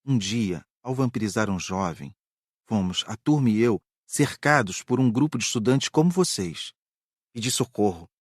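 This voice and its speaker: Guy doing a reformed druggie ghost telling his downfall, lowish voice, measured, audiobook style, very dry sound. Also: expressive, dry recording. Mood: sober, confessional. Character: reformed male drug addict spirit recounting his downfall. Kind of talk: dramatized audiobook dialogue.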